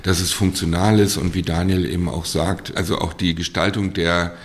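A male design professor speaking casually in an interview, halting with fillers. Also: low voice, little pitch movement. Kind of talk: interview soundbite.

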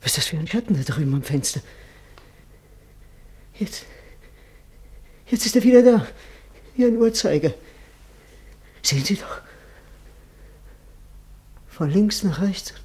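An actor playing a frightened, feverish prisoner in a radio drama, agitated and haunted. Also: male voice, high-pitched, expressive, a little slow, long pauses, a little mellow, husky, exaggerated voice. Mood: terrified. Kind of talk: German radio drama acting.

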